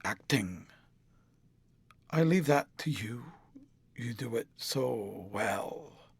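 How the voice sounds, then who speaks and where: A man reading aloud who plays a cold, disdainful young man, speaking calmly and bitterly in a clear voice. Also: fairly high pitch, measured pace, no echo.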